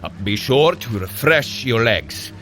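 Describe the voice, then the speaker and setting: An actor playing a hearty, bumbling god of thunder in an audio drama, speaking in grand, archaic heroic phrases. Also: male voice, mid-range voice, big pitch swings, a little slow, fairly bright tone, faint music behind. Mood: hearty, urging. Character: boisterous, hearty god of thunder, bumbling good-natured brother. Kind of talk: audio drama fitness adventure.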